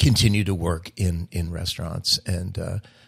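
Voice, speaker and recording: In a very clean recording with a silent background, a man with a very deep, low pitch speaks somewhat breathily with fairly even intonation. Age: 60s. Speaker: restaurant coach and former chef. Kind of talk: casual interview chat.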